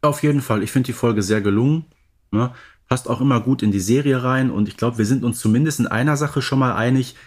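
A man's voice: mid-range voice, fairly quick, a little mellow. A man co-hosting a podcast, talking casually and conversationally. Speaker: podcast co-host. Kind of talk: casual podcast chat about audio dramas.

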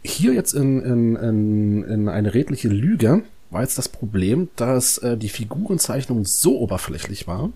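Husky man giving a book critique. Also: mid-range voice, very animated, warm tone. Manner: critical, halting, rephrases often. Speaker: podcast discussion panelist.

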